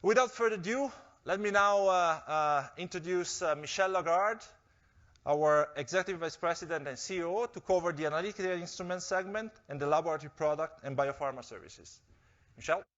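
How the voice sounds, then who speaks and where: A man giving a measured corporate presentation, pausing often with fillers. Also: on the high side, a bit bright, dull audio. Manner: measured, with frequent hesitations. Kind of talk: investor presentation speech.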